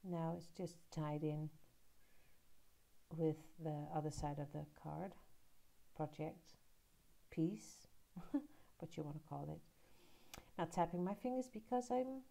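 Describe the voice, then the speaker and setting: Slow, gravelly-voiced woman narrating her craft. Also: on the low side. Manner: relaxed, rambling, with many pauses and fillers. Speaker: art journaling creator. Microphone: voiceover recorded at her laptop.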